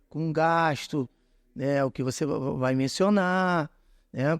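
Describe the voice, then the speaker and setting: A man talks at a very slow pace. The sound is dry and close, with no echo. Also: quiet background. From Brazil, Rio de Janeiro. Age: 50s. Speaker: local council candidate. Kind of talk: podcast interview. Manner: halting, with frequent repetitions.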